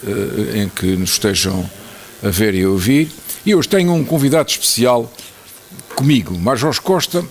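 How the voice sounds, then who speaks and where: A man's voice: on the low side, a little hiss or hum. A man hosting a TV interview show, asking leading questions and summing up what his guest says. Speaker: TV talk-show host.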